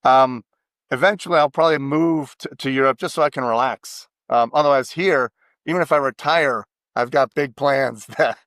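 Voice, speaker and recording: A man's voice: mid-range voice, moderate pace, no echo, studio quality. An American man telling stories with emphasis in a casual podcast conversation. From United States. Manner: emphatic, animated storytelling.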